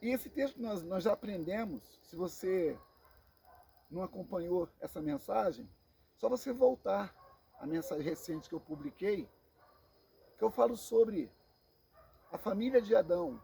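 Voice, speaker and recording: Brazilian male preacher, slow deliberate delivery, gravelly fry in the voice, repeats for emphasis. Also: high-pitched, animated, warm tone, slight background noise. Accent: Brazilian Portuguese. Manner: slow emphatic preaching, repeats phrases, addresses listeners as brothers. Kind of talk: Bible teaching sermon.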